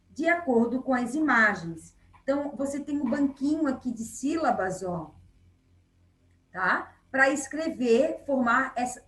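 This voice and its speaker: A woman's voice: on the high side, fairly bright tone. Brazilian woman, primary school teacher, patient and encouraging, talks to kids on video, room echo. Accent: Brazilian Portuguese. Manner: patient and encouraging, checking in with frequent "tá?". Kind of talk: recorded remote lesson for young children.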